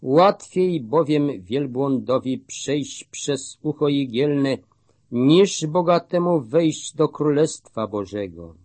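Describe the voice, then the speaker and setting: A man reading the words of Jesus as a calm, authoritative teacher, in a measured, solemn way. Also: medium pitch, no echo.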